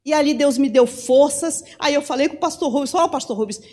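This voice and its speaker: A woman's voice: high-pitched, fast talker, mellow. A middle-aged woman preacher giving an impassioned sermon testimony, her voice rising when she pleads.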